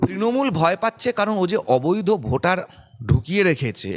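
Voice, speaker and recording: Combative high-voiced Bengali man. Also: very animated, a little fast. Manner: combative, emphatic and rhetorical. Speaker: political spokesperson. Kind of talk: press statement.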